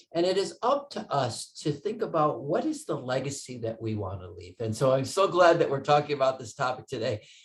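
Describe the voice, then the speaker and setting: Vocal fry runs through a man's speech at a moderate pace. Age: 60s. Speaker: podcast host, medicine professor. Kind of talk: casual chat.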